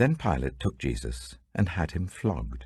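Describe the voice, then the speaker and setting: Speaking with an English accent and vocal fry, a man talks at a moderate pace against a quiet background. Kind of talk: Bible reading.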